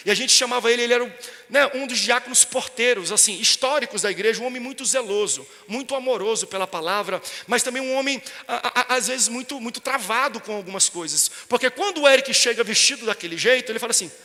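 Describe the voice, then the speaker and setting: A Brazilian man with a Brazilian Portuguese accent preaches a sermon in a large church. His voice sits very high and sounds piercingly bright. Long reverb from the hall and soft music are heard behind him. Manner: storytelling, rising to impassioned preaching. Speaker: pastor.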